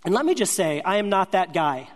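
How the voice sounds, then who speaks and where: High-voiced man preaching in a reverberant hall. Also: sing-song, fairly quick. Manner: earnest, speaks in short broken-up phrases. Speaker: speaker sharing a ministry testimony. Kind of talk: storytelling sermon.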